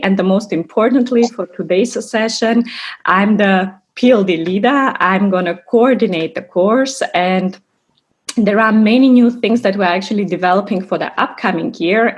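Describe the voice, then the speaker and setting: Woman giving a careful online lecture. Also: medium pitch. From Armenia, raised in Russia. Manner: careful, explanatory, with frequent restarts. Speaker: assistant professor, course coordinator.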